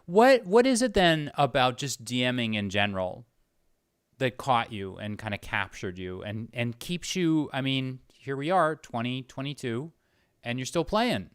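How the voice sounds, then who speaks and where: A man's voice: medium pitch, sing-song, measured pace, clean tone, no echo, clean studio sound. A man interviewing casually, informal and jokey as he puts his questions and interjections.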